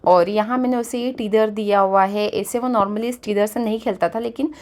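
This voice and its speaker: A woman, a mother and vlogger, explaining her baby's daily routine in a calm, matter-of-fact voice-over. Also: mid-range voice, normal speed. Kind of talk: vlog voice-over narration.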